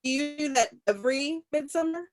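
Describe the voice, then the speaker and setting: Woman reading as an awkward young woman, higher voice. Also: a little fast, no echo, clean studio sound, soft background music, natural voice. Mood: awkward, friendly. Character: awkward, grieving young woman student, politely covering distress. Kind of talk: virtual table read of a film script.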